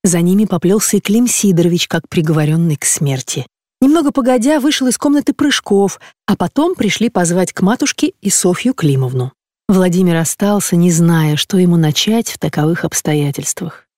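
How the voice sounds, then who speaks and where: An audiobook narrator reading classic prose in a measured, even storytelling manner. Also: medium pitch, no room sound, studio quality. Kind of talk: scripted literary narration.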